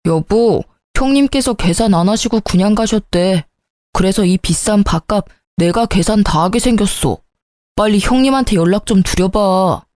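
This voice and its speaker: A woman's voice: medium pitch, moderate pace, a little mellow, no room sound, clean studio sound, natural voice. A woman voicing a clueless, whining young husband in a story radio drama. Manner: pleading, whining.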